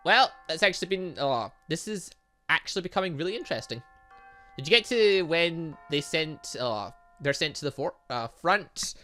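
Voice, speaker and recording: A game playthrough host reading aloud and commenting in a rambling, excitable, self-interrupting way. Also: medium pitch, normal speed, faint music behind. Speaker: gaming video host.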